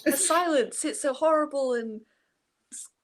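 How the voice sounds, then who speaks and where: A woman's voice: sits high, unhurried, a crowd in the background. A young woman talking casually as she discusses a book with a friend. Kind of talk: casual chat about a book.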